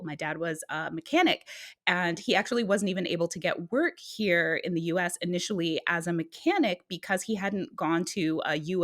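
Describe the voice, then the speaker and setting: A middle-aged woman, born in Guyana and raised in the US, guesting on a podcast and telling her life story in a casual, animated way. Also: on the low side. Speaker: guest author. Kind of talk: conversational podcast interview.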